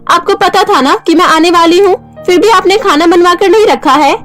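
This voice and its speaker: Lady doing a bratty spoiled cartoon girl, whiny and demanding, pitched high. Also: fairly quick, faint music behind, lightly acted. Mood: petulant angry. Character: spoiled, demanding young woman, stepmother's daughter.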